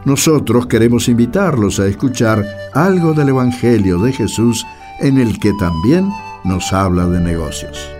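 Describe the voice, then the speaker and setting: A man's voice: medium pitch, expressive, measured pace. A man giving scripted storytelling narration for a religious radio play. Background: faint guitar music.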